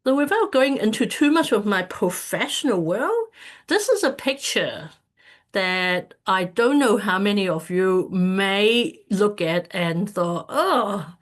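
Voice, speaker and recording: Woman from Hong Kong presenting to an online community, halting and filler-heavy, on a computer mic. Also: medium pitch, lively intonation. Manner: hesitant, many fillers and restarts. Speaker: speaker at an online community event. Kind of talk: casual presentation talk.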